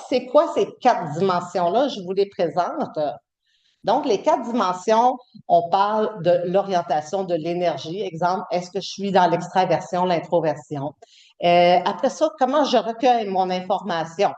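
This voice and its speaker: A middle-aged woman with a Québécois French accent teaches a university class, chatty and full of fillers and restarts. Her voice is mellow and relaxed. The room around her is echoey. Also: mid-range voice, lo-fi sound. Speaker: guest lecturer. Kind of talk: classroom lecture.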